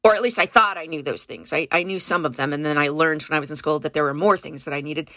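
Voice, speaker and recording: A woman's voice: deep voice, quick pace, sharp tone, dry recording, clean studio sound. A woman in her fifties from California, Spanish her first language, talking earnestly through her past in an interview and often restarting her sentences. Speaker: guest. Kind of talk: reflective interview conversation.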